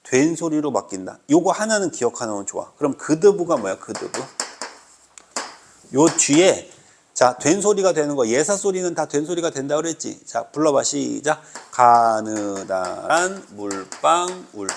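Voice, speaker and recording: A man's voice: fairly high pitch, sing-song, normal speed, vocal fry, a little mellow, a little hiss or hum. Teasing male teacher quizzing his class. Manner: teasing, mock-scolding, quizzing students constantly. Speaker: Korean language teacher. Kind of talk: classroom grammar lecture. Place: classroom with students.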